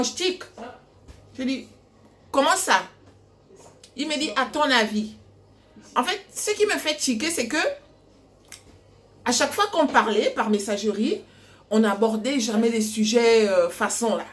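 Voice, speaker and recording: A young adult woman vlogging at home, casually retelling a story with lots of quoted dialogue. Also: fairly high pitch. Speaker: cooking vlogger. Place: home kitchen.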